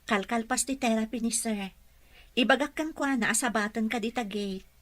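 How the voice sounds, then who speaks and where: A woman's voice: fairly high pitch, normal speed, lightly acted. A woman playing a friendly female caregiver to a mansion boss in an Ilocano audio drama. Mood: chatty.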